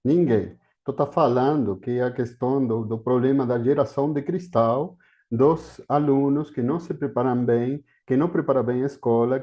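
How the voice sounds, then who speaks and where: A man's voice: medium pitch, muffled recording. A man from Argentina with an Argentine Spanish accent, giving an academic talk as a guest historian over a video call, hesitant and full of fillers. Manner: hesitant, with many fillers and restarts. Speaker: guest speaker, historian of education.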